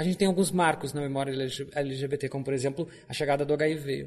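A man's fairly high voice with fairly even intonation, music playing in the background. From Rio Grande do Sul, Brazil. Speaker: museology professor. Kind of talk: interview conversation. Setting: conference venue. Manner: gentle, soft-spoken.

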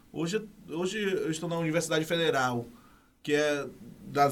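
A man talks at a moderate pace. Room echo can be heard around his voice. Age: 30s. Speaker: university student and activist. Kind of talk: podcast discussion.

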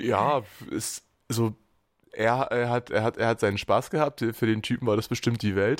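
Recorded very cleanly against a silent background, with a dry, close sound and no echo, a man in a Saxon accent speaks at a moderate pace and medium pitch with fairly even intonation. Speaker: metal podcast co-host. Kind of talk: casual chat.

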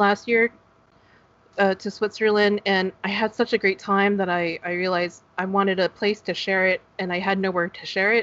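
Speaking in a monotone, flat way at a moderate pace, a woman with a West Coast accent has a medium pitch. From Northern California. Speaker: podcast guest, fan community organizer. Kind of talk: casual interview. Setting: remote call.

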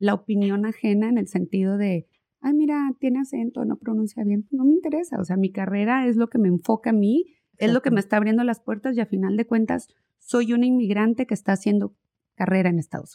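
This woman talks very fast in a fairly high, dark and mellow voice with ordinary pitch variation, recorded dry and close with no echo. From Mexico, Chihuahua. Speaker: podcast guest, bilingual professional. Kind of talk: casual chat.

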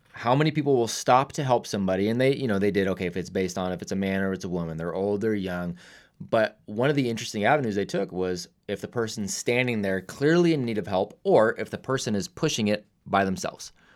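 Heard in a very clean recording with a silent background, a man with an unremarkable speaking voice speaks at a fairly quick pace and a fairly low pitch, with lively intonation. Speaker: podcast host. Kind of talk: casual interview conversation.

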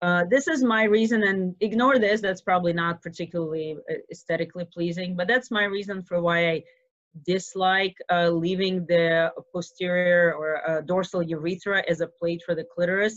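At a moderate pace, a woman with a non-native accent speaks in a fairly low pitch with ordinary pitch variation. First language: not English. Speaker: surgeon. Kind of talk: lecture; Q&A answers. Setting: video call.

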